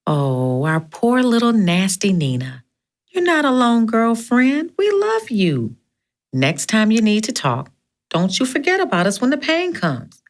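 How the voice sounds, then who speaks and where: A woman's voice: a little high, sing-song, measured pace. A woman voicing a sassy, bawdy woman friend in an audiobook, swearing freely as she tells a story. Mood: comforting, sassy. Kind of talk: audiobook character reading.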